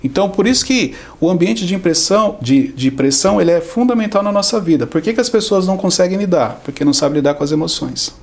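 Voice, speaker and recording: Brazilian man, podcast guest, gravelly and brisk, teaches through acted-out quotes. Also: high voice, lively intonation. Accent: Brazilian Portuguese. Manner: explains with everyday examples and acted-out quotes. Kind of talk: conversational teaching.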